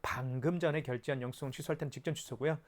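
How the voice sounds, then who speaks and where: A man's voice: mid-range voice, steady tone, racing. A man presenting a product in a hands-on tutorial, explaining step by step in an instructive way with rhetorical questions.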